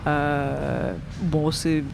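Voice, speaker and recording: Woman on radio interview, talks slow, keeps repeating c'est c'est. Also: low voice, flat delivery, gravelly, darkish tone, slight background noise. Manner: halting, repeats words, laughs easily. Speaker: street artist guest.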